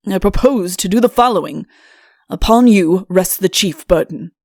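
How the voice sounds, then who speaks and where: A woman's voice: mid-range voice, moderate pace, a little mellow, no echo, clean studio sound, lightly acted. A woman voicing a pompous, stern, irritable middle-aged king in a comic fairy-tale audiobook, with an imperious, curt manner.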